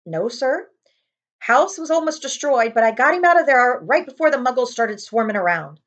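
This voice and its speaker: A woman voicing a huge, shaggy, soft-hearted giant man in a storybook, simple and deferential. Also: fairly high pitch, lively intonation, moderate pace, lo-fi sound, voice pushed up, natural voice. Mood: respectful.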